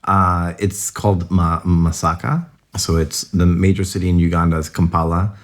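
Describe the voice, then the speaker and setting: A man's voice: deep voice, steady tone, normal speed. A young adult man from the United States, a podcast guest chatting casually about his family, rambling with lots of "like"s. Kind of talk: casual interview storytelling.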